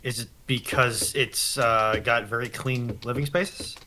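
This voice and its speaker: A man's voice: mid-range voice, steady tone, measured pace, noisy background. An American man chatting casually and jokily as a panelist. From United States. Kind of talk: casual, joking chat.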